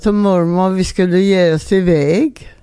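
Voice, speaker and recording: With fairly even intonation, a woman speaks in a fairly low pitch and a dark, mellow tone. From Poland. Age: 90s. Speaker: Holocaust survivor. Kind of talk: testimony.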